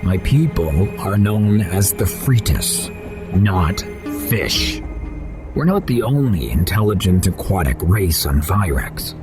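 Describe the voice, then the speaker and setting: An actor playing a proud alien fish-folk mercenary in an audio drama, speaking in a terse, guarded way. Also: male voice, low-pitched, sing-song, slow pace, music in the background, full character voice. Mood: stern.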